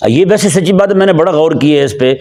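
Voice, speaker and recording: A man's voice: a little high, warm tone. Pakistani man preaching a conversational sermon. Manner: conversational, asks the audience questions; slows down for Quranic recitation. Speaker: Islamic preacher. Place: before a seated gathering.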